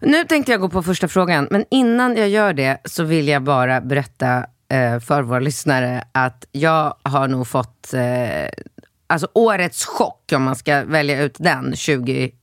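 A woman co-hosting a podcast in casual chat, an animated storyteller who swears casually. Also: rumbling low, dry recording, clean studio sound. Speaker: podcast co-host.

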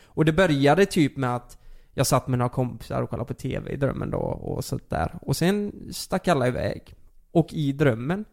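A young man tells a story in a relaxed, chatty way. His voice has a gravelly, fried edge. He talks with lots of fillers and curses, and his delivery is animated. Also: medium pitch. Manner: animated, many fillers and swearing. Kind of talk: casual storytelling.

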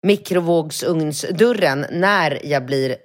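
A woman podcast host in casual chat, animated in her storytelling and swearing when worked up. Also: deep voice.

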